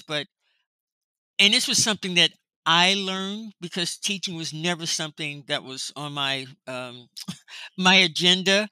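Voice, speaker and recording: Bright, forceful woman in her sixties telling stories. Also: low voice, no room sound, poor audio. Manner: lively storyteller who laughs often and acts out dialogue. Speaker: lighting designer and professor, guest.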